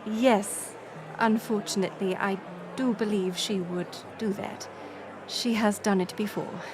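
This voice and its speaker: A woman playing a gracious, resolute middle-aged queen in an audio roleplay, speaking in formal, stately, measured phrases. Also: medium pitch, steady tone, noisy background, close to an everyday voice. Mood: gracious, candid. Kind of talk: scripted audio roleplay acting.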